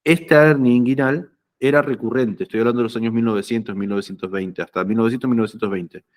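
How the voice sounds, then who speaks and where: Guy with lecturing on anatomy, mid pitch, keeps asking "right?". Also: steady tone, fast. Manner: conversational, checks understanding often with "¿sí?". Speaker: anatomy teacher. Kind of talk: lecture explaining slides.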